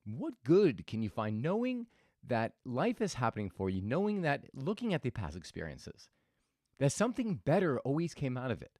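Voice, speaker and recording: A man's voice: medium pitch, huge pitch swings, normal speed, a little mellow, dry recording, clean studio sound. A man hosting a reflective motivational talk, telling stories thoughtfully with frequent restarts. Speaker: host.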